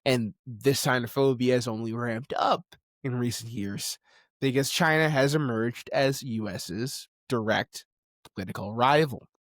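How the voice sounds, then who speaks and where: A man's voice: mid-range voice, a little slow, fairly bright tone, no room sound, studio quality. A man delivering opinionated video essay commentary in a conversational, insistent way, with informal asides. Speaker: commentator on film and animation.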